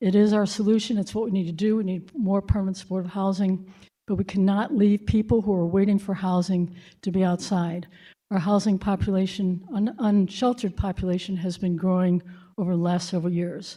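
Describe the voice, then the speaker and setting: This woman's voice sits at a medium pitch, somewhat breathy, with a dark, mellow tone and fairly even intonation. She talks at a fairly quick pace in a very clean recording with a silent background. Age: 60s. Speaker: homeless outreach worker giving public testimony. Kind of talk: public comment at city committee hearing. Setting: city council committee hearing room.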